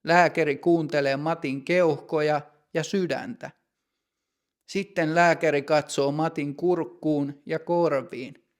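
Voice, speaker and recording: A man narrating a simple story for language learners, reading slowly, clearly and deliberately. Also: on the high side, fairly even intonation.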